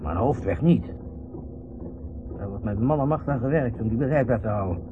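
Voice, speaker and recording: An actor playing a stubborn, grumbling husband at the wheel who insists he is calm, in a Dutch radio play. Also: mid-range voice, fairly quick, close to an everyday voice. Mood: dry complaining. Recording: muffled, noisy old radio recording.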